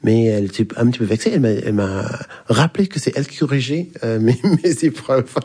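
A man's voice: mid-range voice, fast talker, mellow, breathy edge. A man from the English-speaking Caribbean, a university lecturer, telling a story in hesitant French with many fillers. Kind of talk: recorded interview testimony.

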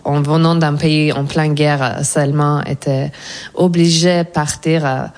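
Woman, very low voice, thoughtful, searching for words, radio interview guest. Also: fairly even intonation, unhurried, darkish tone. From Iran. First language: Persian. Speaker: actress guest.

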